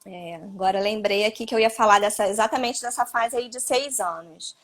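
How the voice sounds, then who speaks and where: A woman's voice: medium pitch, brisk, fairly bright tone. A Brazilian Portuguese-speaking woman, a psychologist, explaining parenting advice on a live stream, often adding tag questions. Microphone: phone or video call.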